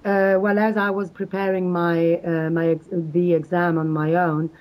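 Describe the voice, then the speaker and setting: A woman from South Africa answering interview questions hesitantly, with frequent pauses and restarts. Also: fairly low pitch, little pitch movement, darkish tone, rough recording. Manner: hesitant, many fillers and restarts. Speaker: interview guest, exam candidate.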